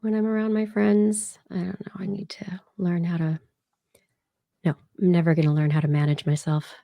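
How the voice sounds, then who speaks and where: A woman co-hosting a podcast, hoarse, chatting in a rambling, casual way with soft asides. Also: on the low side, level tone, moderate pace, no echo. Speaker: podcast co-host. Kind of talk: casual chat.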